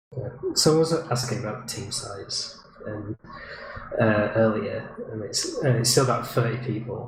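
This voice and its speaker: A man talks with long, frequent pauses. Audible room echo and noticeable background noise fill the recording. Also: medium pitch for a man, ordinary pitch variation, moderate pace, big swings in loudness. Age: 20s. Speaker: game programmer. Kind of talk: livestream Q&A.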